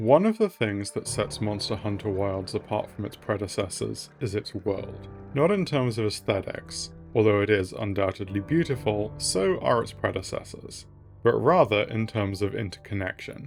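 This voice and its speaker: Music plays in the background as a man speaks at a fairly low pitch and moderate pace with ordinary pitch variation. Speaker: gaming video essayist. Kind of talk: scripted video essay narration.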